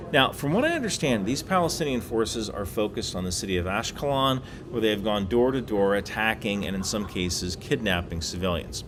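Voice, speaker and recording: A man's voice: lowish voice, noisy background. A man hosting a casual explainer monologue with wry asides and emphatic delivery, recorded on a laptop while away on a work trip. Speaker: YouTube explainer host.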